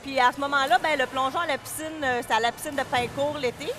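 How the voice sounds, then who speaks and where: High-voiced Québécois woman in her thirties. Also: steady tone, fast, a bit bright, a little hiss or hum. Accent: Québécois French. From Quebec, Canada. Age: 30s. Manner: hesitant, many fillers and restarts. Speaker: guest, diving club vice-president and coach. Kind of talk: casual interview. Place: indoor pool area.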